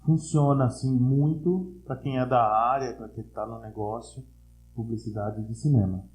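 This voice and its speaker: A man in his sixties from Brazil with an Italian-influenced São Paulo accent, chatting casually as an interview guest and telling stories in a slangy, animated way. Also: mid-range voice, normal speed. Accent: Italian-influenced São Paulo Portuguese. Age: 60s. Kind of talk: casual chat. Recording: roomy, echoey sound.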